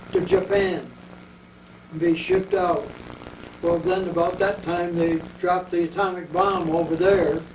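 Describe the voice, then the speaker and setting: A man in his eighties with an American accent, telling his war memories at length in an oral history interview, wandering and pausing as he remembers. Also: sits high, darkish tone, a little hiss or hum. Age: 80s. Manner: rambling reminiscing storyteller. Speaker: veteran interviewee. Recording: echoey room, mic at a distance.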